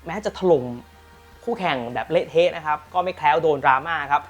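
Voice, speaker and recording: Lively Thai football news host. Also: male voice, on the high side, brisk, slightly rough, soft background music. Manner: lively, emphatic storytelling with frequent polite particles. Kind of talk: energetic football news commentary and product pitch.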